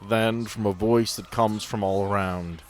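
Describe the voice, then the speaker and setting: A man's voice: fairly low pitch, fairly even intonation, measured pace. A man narrating and running a tabletop game as game master, explaining rules at length.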